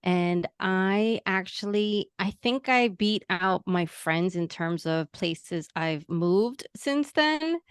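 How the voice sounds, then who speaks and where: A woman from New York talks as a podcast guest, with a light Latina tinge in her New York accent. She sounds bubbly and eager, and her voice is smooth and resonant. The recording is close and dry. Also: medium pitch, expressive, takes it slowly, hardly any pauses, no room sound. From New York, United States. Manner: bubbly, enthusiastic. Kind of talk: interview conversation.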